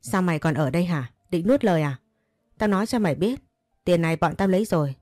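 A woman's voice: fairly low pitch, expressive, fast, darkish tone, no echo, studio quality, close to an everyday voice. A woman narrator voicing a greedy, harsh mother who snaps and threatens, over faint music. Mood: threatening.

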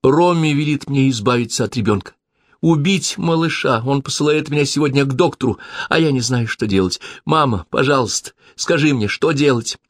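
A man's voice: medium pitch, normal speed, dry recording, studio quality, voice pushed up, close to an everyday voice. A man reading as a desperate young pregnant woman pleading on the phone, tearful and urgent.

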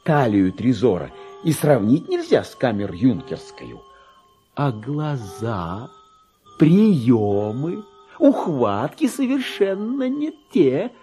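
A man's voice: medium pitch, wildly swooping pitch, mellow, soft background music. A man voicing a gossipy, affected little female pet dog in a theatrical, chatty reading of a classic story. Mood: haughty, admiring. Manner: chatty, mannered, exclamatory, drawn-out emphasis.

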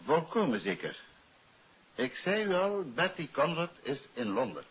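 Casting: unruffled radio-play detective, emphatic and expressive, assured husband type; dull, hissy 1950s sound. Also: male voice, on the high side. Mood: firm, explaining. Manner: confident, emphatic, measured. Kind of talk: 1950s Dutch radio drama acting. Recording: muffled, noisy 1950s radio recording.

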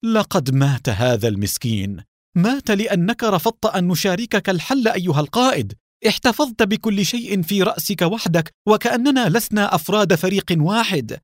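A man voicing an agitated male psychiatrist who talks loud and reproachful, in a storybook reading. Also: high voice, animated, fairly quick, dry recording, clean studio sound, pitched above the performer's own voice. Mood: angry.

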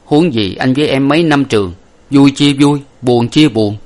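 A man's voice: medium pitch, brisk, close to an everyday voice. A man voicing a devoted young husband who cries and laments over his wounded wife. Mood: tearful. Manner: wailing, lamenting. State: crying. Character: devoted young husband, grief-stricken fighter.

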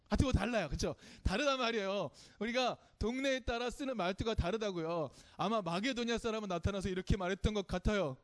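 High-voiced man telling a children's sermon. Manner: keeps asking the congregation questions; friendly, simple storytelling. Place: church service.

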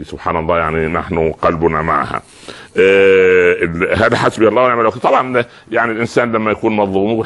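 A man with an Egyptian accent hosting a religious call-in show, answering callers in a gentle, fatherly way. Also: sits low. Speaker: host.

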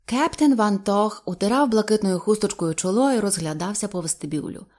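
A woman narrating an audiobook in a measured, expressive reading. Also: mid-range voice.

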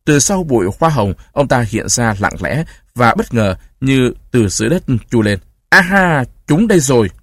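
Husky male audiobook narrator. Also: mid-range voice, normal speed, few pauses, no echo, studio quality. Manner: steady, even reading.

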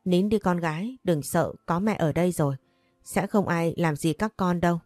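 Woman voicing a defiant young mother, indignant, pleading, storybook, lowish voice. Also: normal speed, a little mellow, no echo, faint music behind, natural voice. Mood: soothing.

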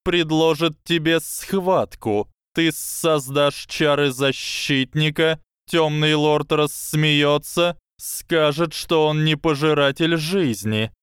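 A man voicing a cunning, sardonic male snake who lectures slowly and conspiratorially in an audiobook. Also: fairly high pitch, fairly bright tone, smooth, dry recording, pitched above the performer's own voice. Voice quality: hissing, dry sardonic tone. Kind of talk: audiobook character voice.

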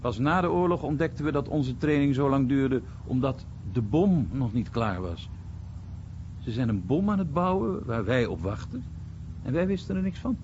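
A man playing an American war veteran who soberly recalls his bomber days in a radio drama monologue, in a husky voice. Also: mid-range voice, expressive, normal speed, darkish tone, slight background noise, close to an everyday voice. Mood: wry, reflective. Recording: slightly dull radio recording.

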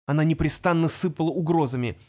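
A woman narrating an audiobook with an even, storytelling delivery. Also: sits low, quick pace. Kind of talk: scripted narration.

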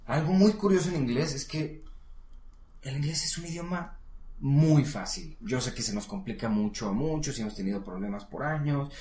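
Mexican man, mid-pitched voice, encouraging tutor, echoey room. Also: normal speed, a little mellow. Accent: Mexican Spanish. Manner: patient, encouraging, checks in with "¿va?". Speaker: English teacher. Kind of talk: casual one-on-one lesson. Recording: roomy echo.

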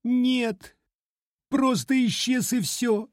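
A man's voice: very high voice, extremely slow, no room sound, studio quality, pitched above the performer's own voice, heavily acted. A man voicing a sobbing heartbroken young woman. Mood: sobbing, jealous. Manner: whiny, pleading. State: crying.

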